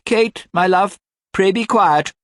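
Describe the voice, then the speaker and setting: A man's voice: fairly high pitch, huge pitch swings, measured pace, slightly rough, no room sound, clean studio sound, pitched above the performer's own voice, full character voice. A man doing a fussy, simpering mother. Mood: prim fluster. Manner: prim, simpering, scolding. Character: fussy, vain middle-aged mother, flustered.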